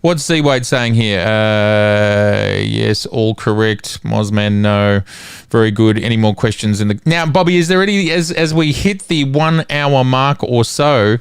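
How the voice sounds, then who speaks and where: Male host, relaxed, smooth voice, dry close sound, reads viewer questions. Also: mid-range voice, no echo. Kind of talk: casual live-stream chat.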